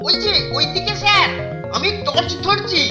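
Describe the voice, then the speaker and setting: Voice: very high-pitched, moderate pace. An actor voicing a clever, sly schoolboy with a knowing, conspiratorial manner in a cartoon dub. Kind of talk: cartoon dubbing. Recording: echoey, music behind.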